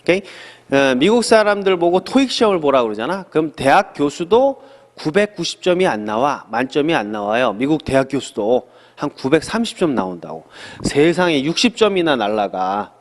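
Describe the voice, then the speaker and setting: A middle-aged man teaching an English lesson in a studio, lively and chatty, asking questions and answering them himself. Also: fairly high pitch, normal speed, long reverb tail. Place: small studio.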